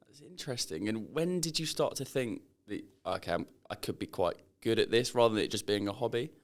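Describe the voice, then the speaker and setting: A man's voice: fairly low pitch, expressive, brisk. A man hosting a podcast, asking chatty, friendly questions in a casual interview. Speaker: podcast host.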